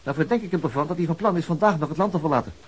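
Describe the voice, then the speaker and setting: A man's voice: on the high side, very fast, close to an everyday voice. An actor with a Dutch accent playing a stubborn veteran police detective in his fifties, blunt and musing by turns in a radio play. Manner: blunt, musing, then commanding. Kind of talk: Dutch radio drama acting.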